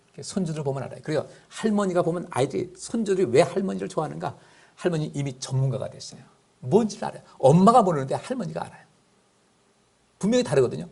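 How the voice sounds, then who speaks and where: A middle-aged pastor delivers a sermon in a husky voice that sits a little high for a man. His pitch rises and falls a great deal, and he keeps turning to the congregation with questions. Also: a little mellow. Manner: conversational preaching, asks the congregation questions.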